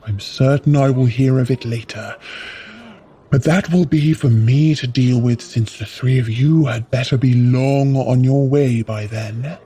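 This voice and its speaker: An actor playing a stern, composed palace giant in an audio drama, speaking in a formal, commanding way. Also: male voice, medium pitch, measured pace, mellow, husky. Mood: brisk, commanding.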